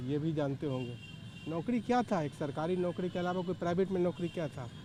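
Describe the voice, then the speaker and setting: Music plays in the background as a man speaks in a high voice. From Bihar. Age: 60s. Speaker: retiree, member of public. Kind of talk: street interview.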